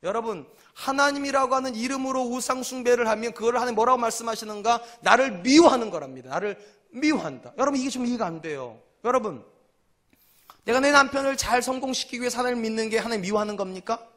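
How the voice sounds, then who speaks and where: High-voiced quick-talking male pastor preaching. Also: fairly bright tone. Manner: preaching to the congregation with rhetorical questions; acts out quoted voices in short dialogues. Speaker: senior pastor. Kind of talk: sermon.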